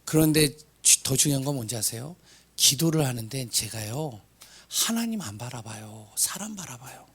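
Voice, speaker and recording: A hoarse man preaching a sermon, asking rhetorical questions and swinging from loud cries to hushed asides, stumbling over words now and then. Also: medium pitch, lively intonation, normal speed.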